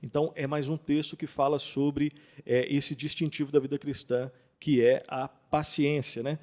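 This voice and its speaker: A man, a pastor, calmly explaining Bible passages in an interview and quoting verses with emphasis. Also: a little high. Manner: calm, measured, quotes scripture with emphasis.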